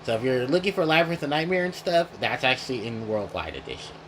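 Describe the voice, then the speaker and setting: A man's voice: medium pitch, big pitch swings, fast talker, noisy background. A man hosting a casual gaming retrospective, rambling and correcting himself as he goes, chewing while he talks. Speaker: gaming video host.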